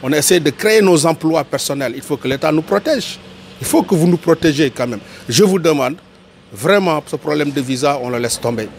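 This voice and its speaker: A man's voice: fairly high pitch, expressive, brisk, vocal fry, a little hiss or hum. A man from Senegal with a Senegalese French accent, speaking earnestly in a street interview and pleading his case. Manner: earnest, pleading, repeats points. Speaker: tourism worker interviewed.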